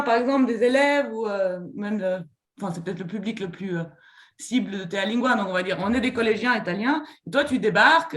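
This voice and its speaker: Hesitant panelist in an echoey room. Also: medium pitch. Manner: hesitant, many fillers, lively examples. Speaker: language theatre facilitator. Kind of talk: panel answer. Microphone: video call.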